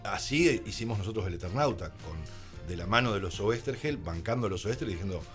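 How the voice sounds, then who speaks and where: A man's voice: on the low side, lively intonation, a little fast, a bit bright. An Argentine man, a guest in a radio studio, telling stories conversationally and quoting dialogue as he goes. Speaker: radio drama producer and adapter, interview guest. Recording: music playing under the voice.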